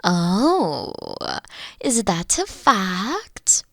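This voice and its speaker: A woman playing a mature, regal queen in an audio roleplay, teasing and flirtatious with a breathy, coy delivery and a protective streak. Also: mid-range voice, very animated, extremely slow, a bit bright, no echo, clean studio sound, heavily acted. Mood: coy, wounded.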